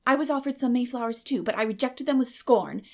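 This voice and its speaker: A woman's voice: a little high, a little fast, a little mellow, natural voice. A woman voicing a dreamy, dramatic young schoolgirl in an audiobook, effusive and earnest. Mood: rapturous.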